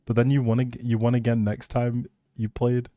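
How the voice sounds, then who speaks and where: A man's voice: medium pitch, little pitch movement, normal speed, mellow, no room sound. A man chatting casually with viewers as a live game streamer, in a laid-back, informal and reassuring way. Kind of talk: casual livestream chat with viewers.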